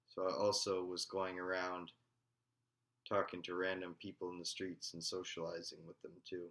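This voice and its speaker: A man telling a personal story in a halting, casual way. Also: low-pitched, pushed and bright. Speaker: vlogger.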